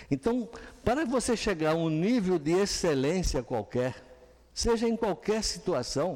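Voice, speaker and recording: A high-pitched man's voice comes across on a very clean recording with a silent background. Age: old. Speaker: spiritist lecturer. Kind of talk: lecture. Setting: spiritist centre hall.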